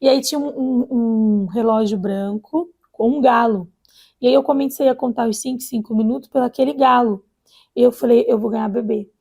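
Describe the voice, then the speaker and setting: A woman from Brazil telling her own life story in an interview, halting with many restarts. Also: fairly high pitch, darkish tone. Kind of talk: personal life testimony.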